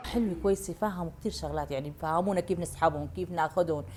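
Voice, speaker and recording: A woman's voice: lowish voice, very fast. A woman from Syria giving casual testimony as an aid recipient. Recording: faint background noise.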